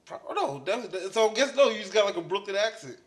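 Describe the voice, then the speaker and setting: A man's voice: high voice, lively intonation, quick pace. A man co-hosting a casual chat, speaking in short, slangy interjections. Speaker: podcast co-host.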